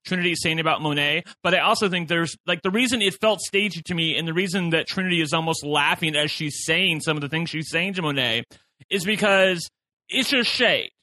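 A man co-hosting a podcast, telling excitable stories in casual chat with lots of fillers and laughs. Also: fairly high pitch, brisk, dry recording. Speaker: podcast co-host.

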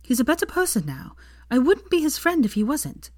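A woman reading the lines of a young woman who is a patient but prickly friend, speaking in a brisk, earnest way. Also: sits high, big pitch swings, dry recording, clean studio sound, pitched above the performer's own voice. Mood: earnest, annoyed.

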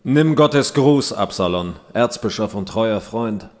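A man's voice: on the low side, expressive, slow pace, a little mellow. Indignant, commanding medieval king. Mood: solemn greeting. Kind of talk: audio drama acting.

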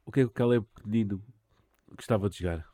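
A podcast host, a man with a European Portuguese accent and a fairly low voice. He leans on jokey colloquial idioms and stretches his questions out, circling back before he lands them. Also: fast, mellow. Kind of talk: casual interview chat.

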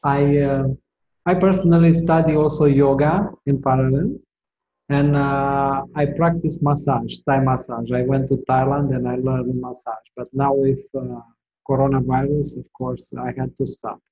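A man talking over a phone call in a casual conversation, halting and repeating words as he searches for them. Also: mid-range voice, little pitch movement, mellow. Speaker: caller speaking with a Tai Chi teacher. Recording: muffled echoey call line with faint noise.

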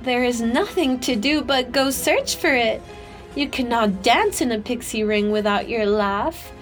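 A woman voicing an old white-haired male pixie fiddler who speaks slowly and solemnly. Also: fairly high pitch, soft background music, natural voice. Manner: slow, solemn pronouncements. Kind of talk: storybook reading.

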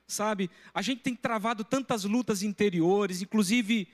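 A middle-aged man preaching a sermon as pastor, telling a personal story with lively, animated delivery. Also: high-pitched, a little slow. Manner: storytelling, breaks into loud shouting when retelling a confrontation.

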